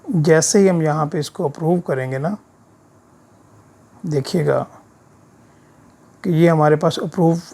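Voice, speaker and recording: A slightly high-voiced man with vocal fry and a sore throat teaches accounting software through an informal screen-recording tutorial. He goes step by step, often tossing in short tag questions to confirm the learner is with him.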